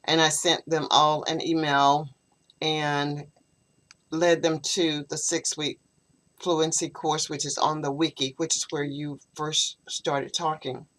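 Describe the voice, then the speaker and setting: A woman with a notably low voice, tutoring English over a video call from home. She explains patiently and at length, laying out her methods step by step. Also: flat delivery, fairly bright tone. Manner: explanatory, measured. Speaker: English teacher. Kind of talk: online tutoring session. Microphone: computer video call microphone.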